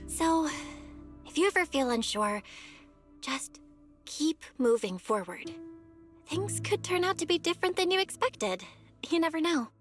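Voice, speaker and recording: Sweet young anime game heroine, super high and bouncy, reassuring. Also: female voice, animated, a little slow, long pauses, soft background music. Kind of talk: anime-style video game voice acting.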